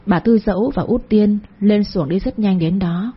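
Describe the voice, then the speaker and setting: A woman narrating a ghost story in a steady, dramatic storytelling manner. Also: medium pitch, normal speed, husky, lo-fi sound.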